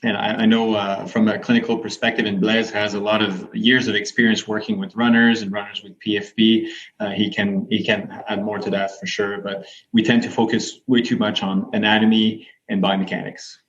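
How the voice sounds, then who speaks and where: A man's voice: fairly low pitch, little pitch movement, normal speed. A man gives conversational expert explanations as a physiotherapist guest, using examples. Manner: explains with examples and rhetorical questions. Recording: slightly dull, lo-fi audio.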